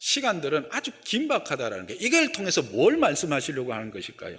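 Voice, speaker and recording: A man speaks in a raised, projected voice with a bright, sharp tone and very wide pitch swings. Audible room echo surrounds him. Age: 60s. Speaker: pastor. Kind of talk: sermon.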